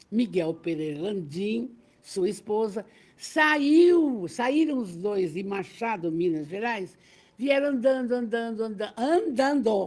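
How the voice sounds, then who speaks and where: The speaker talks at a very slow pace, the pitch swinging very widely. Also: woman. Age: 80s+. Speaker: spiritist teacher. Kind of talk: religious study lecture. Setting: Facebook live stream.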